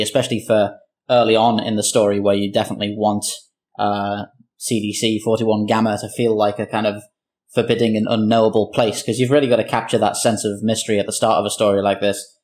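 A man with a lowish voice speaks on a discussion panel. His intonation is flat as he explains his views in an analytical manner. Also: a little fast. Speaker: show creator on a discussion panel. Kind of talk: opinionated roundtable discussion.

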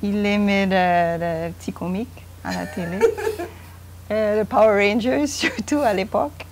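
A woman's voice: medium pitch, fairly even intonation, unhurried, noisy background. A woman in her fifties from Guyana, a guest speaking hesitantly with many fillers on a home veranda. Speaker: interview guest, mother.

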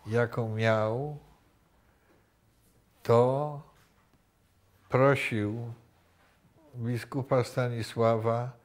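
Slow, halting older man. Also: medium pitch. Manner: slow, halting, many pauses and restarts. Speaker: interviewee. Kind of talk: reflective recollection. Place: indoor room with wooden cabinets. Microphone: lapel.

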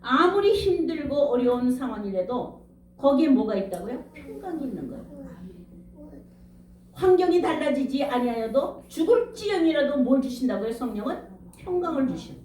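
A woman's voice: sits high, very animated, moderate pace, a little mellow, distant mic, a little hiss or hum. A middle-aged woman pastor preaching a revival sermon with emphasis, firing questions at the congregation. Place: church sanctuary. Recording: echoey room, speaker off-mic.

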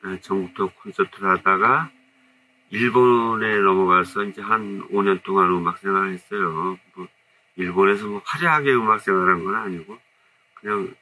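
A man in his fifties with a strong Jecheon regional accent, a saxophonist telling stories in a relaxed, rambling, modest way in an indoor studio. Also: low-pitched, normal speed, a little hiss or hum, poor audio. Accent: Jecheon dialect of North Chungcheong. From Jecheon, North Chungcheong, Korea. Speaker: saxophonist guest. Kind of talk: casual interview storytelling. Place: indoor studio with curtain backdrop. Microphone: off-camera mic, seated two-shot.

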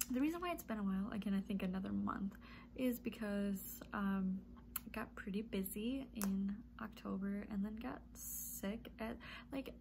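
A woman's voice: medium pitch, vocal fry, background noise. A woman in her thirties with a stuffy, congested nose, hosting a knitting video podcast in a chatty, rambling way with small laughs. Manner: chatty, rambling, frequent little laughs and ums. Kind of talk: casual chatty monologue to camera. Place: home room with yarn shelves.

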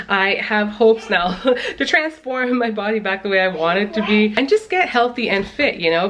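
A woman in her thirties from Canada, chatting casually to the camera in her home kitchen while holding the camera at arm's length, animated and often laughing. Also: medium pitch, background noise. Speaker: family vlogger. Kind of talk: casual vlog chat. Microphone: handheld camera at arm's length.

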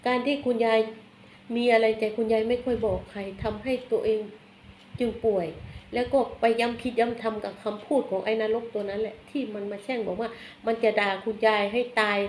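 A woman giving a casual tarot reading, chatty and blunt, softening her phrases with polite particles. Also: a little high, fairly even intonation, a little fast. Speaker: tarot reader. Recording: echoey room, faint background noise.

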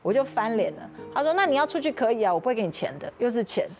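A woman with a Taiwanese Mandarin accent chats quickly on a studio talk show. Her voice sits a little high and leaps around in pitch as she tells her story with frequent laughs. Music plays clearly underneath. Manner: animated storyteller who laughs often. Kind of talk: casual talk show chat. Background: background music.

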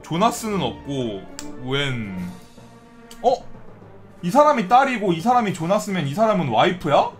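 A man casually commenting on his gameplay as a streamer, chatty and breaking into loud excited outbursts and swearing. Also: high voice, normal speed, faint music behind. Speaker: game streamer.

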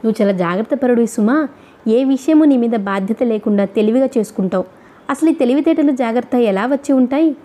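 A woman voicing an earnest, emotional young wife in a storybook reading, speaking low and pleading. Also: lively intonation, fairly quick, mellow, lightly acted. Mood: teasing.

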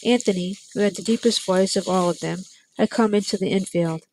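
A woman reading a chapter of a novel aloud, in steady, plain storytelling. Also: medium pitch, brisk, a little hiss or hum. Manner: steady, plain storytelling with light character voices. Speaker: audiobook reader. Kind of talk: read-aloud narration.

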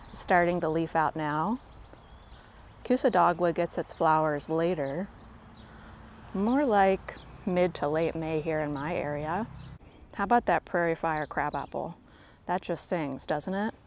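A woman with a lowish voice walks viewers through her home garden, with slight background noise in the outdoor recording. She's a garden vlogger shooting on a handheld phone camera from off screen, chatty, self-deprecating and friendly with her audience in a casual way.

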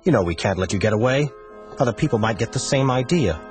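A man's voice: medium pitch, lively intonation, quick pace, soft background music, close to an everyday voice. An actor playing a suave, menacing male agent from the future who hunts a runaway couple, in a radio drama. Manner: suave, mocking, patient menace. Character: menacing male time agent, smug cold hunter.

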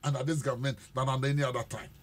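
A man's voice: medium pitch, fairly even intonation, rapid-fire. A middle-aged man with a Ghanaian English accent, a panelist arguing hard in a political radio debate in a studio. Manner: forceful, emphatic, talks over others. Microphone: studio mic on boom.

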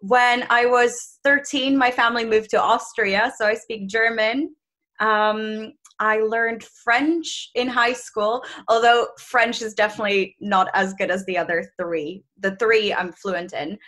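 Czech woman, bright voice, chatting from home on a video call, laughs a lot. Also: on the high side, measured pace. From Czech Republic. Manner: chatty, laughs often, lively. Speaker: travel content creator, guest. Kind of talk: candid video-call interview. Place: small room at home, indoors. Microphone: video call, laptop mic.

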